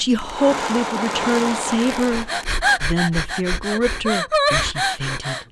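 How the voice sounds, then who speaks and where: A woman's voice: fairly high pitch, huge pitch swings, slow, heavily acted. A woman playing an ominous storyteller, narrating a spooky tale in a horror radio play. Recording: very noisy, insect sounds behind.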